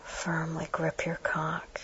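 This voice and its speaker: Slow whispered role-play, woman close in your ear. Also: low-pitched, monotone. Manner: intimate whispering, as if right in the listener's ear; slow, hushed, instructing the listener directly. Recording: dull muffled audio with clear background noise.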